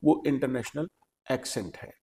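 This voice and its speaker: A man's voice: medium pitch, moderate pace, mellow, big-room sound. A man with an Indian accent, an English teacher hosting a podcast, explaining patiently and repeating his key points.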